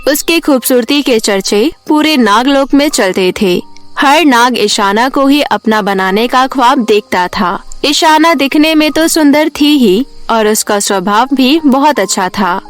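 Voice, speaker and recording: A woman's voice: high-pitched, animated, unhurried, soft background music. A woman narrating a scripted children's story in a storytelling style.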